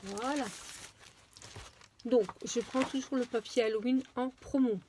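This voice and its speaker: A woman chatting casually through a craft-supply unboxing, with many pauses and fillers. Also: a little high, fairly even intonation, mellow, a little hiss or hum. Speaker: crafting vlogger.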